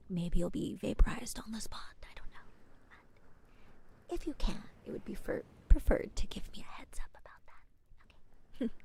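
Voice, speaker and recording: A woman playing a gentle, reassuring witch healer in a soft-spoken ASMR roleplay, breathy and soothing, close to the microphone. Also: mid-range voice. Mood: soothing, lightly playful. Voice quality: breathy, mostly whispered. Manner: slow, soothing, hesitant, repeats reassurances.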